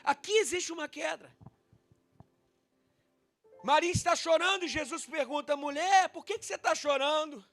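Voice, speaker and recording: A man's voice: very high-pitched, vocal fry. A male pastor with a Brazilian Portuguese accent preaching a dramatic sermon, acting out the scripture dialogue and speaking straight to his congregation. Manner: dramatic, acts out the scripture dialogue with loud swings.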